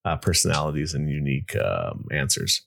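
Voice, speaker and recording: A man's voice: extremely low pitch, sing-song, brisk, vocal fry, fairly bright tone. A man hosting a podcast in casual chat, rambling with many restarts and fillers. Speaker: podcast host.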